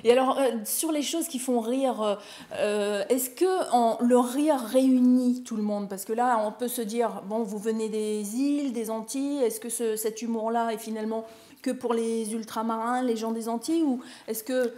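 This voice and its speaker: A woman interviewing a guest on TV, asking friendly, quick follow-up questions. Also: on the high side, fairly even intonation, dark tone.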